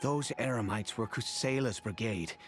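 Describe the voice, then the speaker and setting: An actor playing a dignified middle-aged head of a wealthy family in a video game, speaking in a measured, formal, solemn way. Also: male voice, medium pitch, over music, lightly acted. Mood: wistful, storytelling. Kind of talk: scripted video game voice acting.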